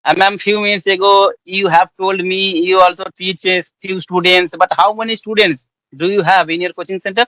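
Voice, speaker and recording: Man, Bengali accent, native Bengali speaker, high-pitched, dry close sound, polite practice chat. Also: fairly even intonation, normal speed, pushed and bright, no room sound, rough recording. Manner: polite, repeated yes and fillers. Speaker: hospital worker practicing English. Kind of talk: casual conversation practice.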